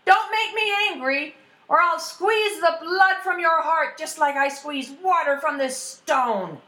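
A bold, crafty storybook lad as a woman puts him on, cocky and unbothered. The voice sits high with lively swings, heard in an echoey room. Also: a little slow. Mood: bold threat. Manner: cocky, nonchalant. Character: bold, cunning youngest farm lad. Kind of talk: folktale storytelling.

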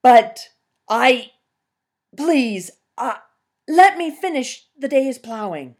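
A woman voicing a frightened male peasant farmer who pleads in a high, panicky voice. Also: big pitch swings, slow, exaggerated voice.

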